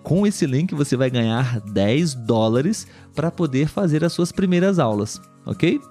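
A young Brazilian man who hosts a language-learning podcast, speaking clearly and warmly as he talks directly to learners. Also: mid-range voice, lively intonation, unhurried, faint music behind. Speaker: podcast host and Portuguese tutor.

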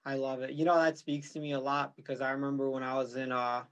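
A man's voice: medium pitch, little pitch movement, fast talker, a bit bright, smooth, dull audio. A man from Brooklyn, hosting a casual podcast chat in blunt, profane street talk. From Brooklyn, New York.

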